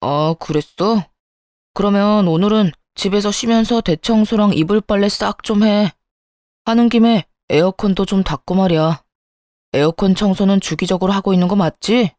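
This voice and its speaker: A woman's voice: mid-range voice, moderate pace, darkish tone, no echo, clean studio sound, lightly acted. A woman voicing an arrogant doctor husband who talks down to his wife and brushes off her complaints. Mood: nagging. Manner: condescending, nagging, brushing off complaints. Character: arrogant dismissive doctor husband, adult man. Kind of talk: Korean story radio reading.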